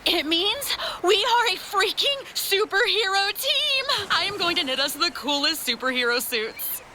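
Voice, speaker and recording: Woman playing excitable high-pitched gung-ho superheroine. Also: measured pace, a little hiss or hum, heavily acted. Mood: excited. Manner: eager, exclamatory. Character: excitable gung-ho wife turned fire-wielding superheroine. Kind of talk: fiction podcast acting.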